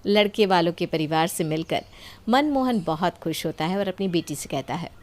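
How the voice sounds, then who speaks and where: A woman's voice: lowish voice, animated, moderate pace, darkish tone. A woman reading a scripted story as the storyteller.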